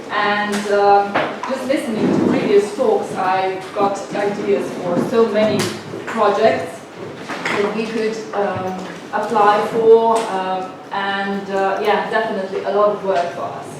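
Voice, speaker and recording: Speaking at medium pitch, a woman from northern Slovenia lectures as a guest at a summer seminar, taking a slow, patient pace and asking the audience questions. Her English is sprinkled with many filler sounds, and her inviting delivery is captured from a distance in a highly reverberant room over constant noisy hiss.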